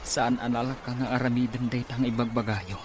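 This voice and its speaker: A man's voice: mid-range voice, level tone, fairly quick, natural voice. A man playing an aggrieved married son in an Ilocano audio drama. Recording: noisy amateur recording.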